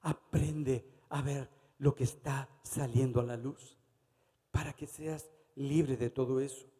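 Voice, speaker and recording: A man preaching a sermon, dramatic and theatrical, acting out little voices and swinging from loud to hushed. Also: mid-range voice, steady tone, slow pace, slightly rough. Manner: dramatic preacher, acts out voices, varies loudness widely. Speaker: pastor. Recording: long hall reverb.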